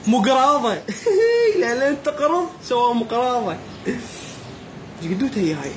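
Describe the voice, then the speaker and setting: A man's voice: very high voice, sing-song, normal speed, a little hiss or hum. A man with an Iraqi accent, doing a playful, joking vlog monologue to his viewers in a mock-puzzled way. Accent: Iraqi Arabic. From Iraq. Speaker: vlogger.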